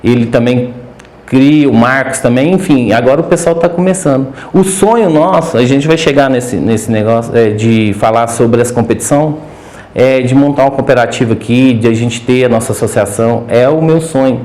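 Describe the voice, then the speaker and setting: A man's voice: medium pitch, moderate pace, a little mellow, echoey room. A man with a Minas Gerais accent, a podcast guest who breeds homing pigeons, talking hesitantly with many restarts. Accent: Minas Gerais Portuguese. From Brazil. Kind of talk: casual interview chat.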